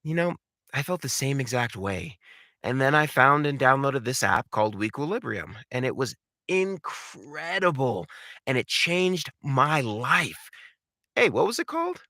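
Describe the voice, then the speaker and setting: Earnest testimonial pitchman, performed by a man, polished and swooping, selling in a commercial read. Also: sing-song, unhurried, sharp tone, dry recording, studio quality, exaggerated voice. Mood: earnest, delighted.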